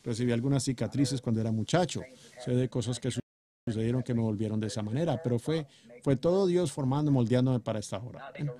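A man delivers a sermon with a dark, mellow voice. He preaches earnestly, rising to loud calls and then dropping to hushed storytelling. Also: mid-range voice, fast talker.

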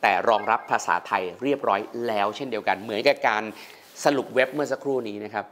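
Middle-aged guy reviewing a phone, lively, keeps going "wow", talks right at the viewers. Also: on the low side, quick pace. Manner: animated, exclaims often, addresses viewers directly. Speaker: tech reviewer host. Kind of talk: casual product review.

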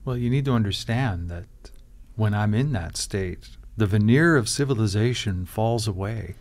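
A man's voice: lowish voice, darkish tone, lightly acted. Earnest, eccentric bookish man played by an actor. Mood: solemn, brooding. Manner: deliberate, solemn about absurd things. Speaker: improv radio drama actor. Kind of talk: improvised radio comedy drama.

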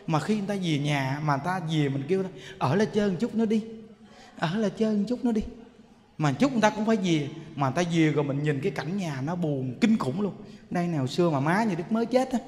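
A monk delivers a sermon in an animated storytelling style, often repeating words and speaking straight to his listeners. His voice is fairly high for a man. A long hall reverb trails after his words. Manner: animated storytelling with many repetitions, addressing listeners directly. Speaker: Buddhist monk teacher.

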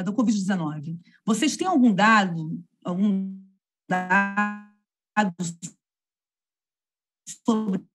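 Brazilian woman on a stuttering, buffering call. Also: fairly high pitch. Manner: halting, polite questioning. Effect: choppy, breaking-up video call audio with buffering stutter. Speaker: legislator asking questions in a committee hearing. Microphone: video call.

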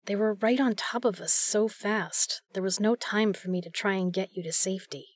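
A woman's voice: mid-range voice, normal speed, no echo, clean studio sound, lightly acted. A woman playing a tough, protective secret agent in an audio drama, speaking in a blunt, matter-of-fact way. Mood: worried, apologetic.

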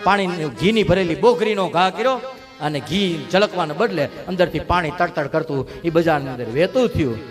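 A man telling a devotional story as a sermon, dramatic and lively. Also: fairly high pitch, normal speed, faint music behind. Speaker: religious storyteller.

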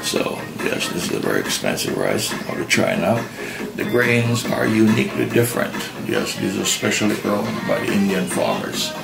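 Gravelly deep man cooking. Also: expressive, moderate pace, few pauses, rough recording. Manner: repetitive, affirming himself with frequent yeses. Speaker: home cooking channel host. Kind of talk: casual cooking demonstration. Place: home kitchen. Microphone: off-camera, hands only in frame. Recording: loud background music. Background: music.

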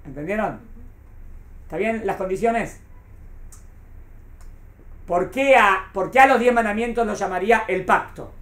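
A woman's voice: mid-range voice, a little slow, long pauses. Woman teacher in an echoey classroom. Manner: explains patiently, keeps checking if students follow. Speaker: Torah teacher. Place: classroom with a small group.

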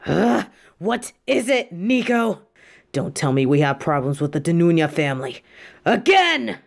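A woman's voice: lowish voice, big pitch swings, measured pace, vocal fry, full character voice. A woman playing a volatile, sarcastic female mafia boss. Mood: annoyed, threatening. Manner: dry, threatening, sarcastic, dramatic sighs. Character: hot-tempered, sarcastic female mafia boss with a soft side. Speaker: voice actor in audio roleplay. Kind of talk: scripted audio roleplay acting.

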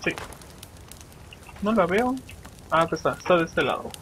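A man's voice: fairly high pitch, lively intonation, normal speed, background noise. A young man with a Mexican accent giving casual, profane, joking let's play commentary and talking to his viewers as he plays. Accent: Mexican Spanish. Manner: profane, joking, talks to viewers while playing. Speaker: gaming channel host.

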